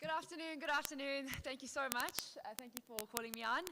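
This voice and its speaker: A woman's raised, projected voice comes through at a high pitch with ordinary pitch variation and a fairly quick pace. Noticeable background noise sits behind her. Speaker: board member and tech startup founder. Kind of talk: vote of thanks speech. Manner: fast.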